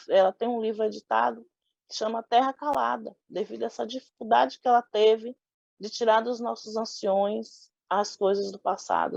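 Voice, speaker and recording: A woman's voice: mid-range voice, gravelly, darkish tone, breathy edge, no echo. Woman telling her life story, thoughtful, keeps restarting, muffled dry recording. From Salvador, Bahia, Brazil. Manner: thoughtful, many restarts and filler "né". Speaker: interviewee. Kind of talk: oral history interview.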